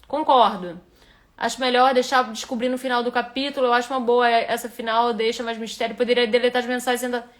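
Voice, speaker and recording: Her voice is fairly high with a flat delivery, and she talks fast, carrying a Rio de Janeiro Portuguese accent. A writing instructor, she critiques a reader's manuscript live, thinking aloud with frequent restarts.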